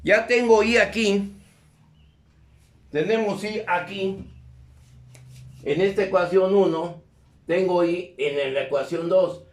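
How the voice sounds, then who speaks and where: A man with a fairly high voice teaches a class in an echoey classroom. He walks through the steps and keeps asking whether everyone is following. Picked up by a camera in the room. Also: slow pace, long pauses. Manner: constantly checks in with questions to the class. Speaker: electrical engineering teacher. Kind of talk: live class lecture.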